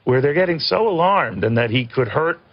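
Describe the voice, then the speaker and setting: A man hosting a TV news interview, talking briskly with joking asides. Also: fairly high pitch, expressive. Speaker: TV news host. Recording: dull lo-fi broadcast audio.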